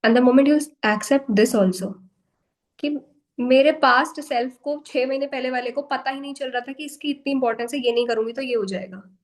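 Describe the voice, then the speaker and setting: A woman's voice: high-pitched, steady tone, normal speed, poor audio. A young woman from India hosting an online workshop in a frank, casual talk, mixing Hindi with Indian-accented English. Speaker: workshop host. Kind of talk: casual motivational talk to a live online class. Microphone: video call.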